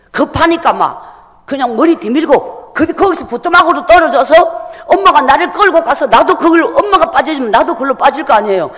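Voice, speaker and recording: A woman giving a personal testimony at a church service, telling her story vividly and emotionally. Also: high-pitched. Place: church sanctuary. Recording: long church-hall reverb.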